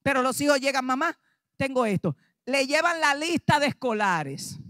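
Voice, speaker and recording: High bright-voiced Dominican woman preaching. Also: normal speed, no echo, studio quality. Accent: Dominican Spanish. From Dominican Republic. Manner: animated preaching, acting out dialogue, rising to shouts. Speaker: pastor. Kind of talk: sermon.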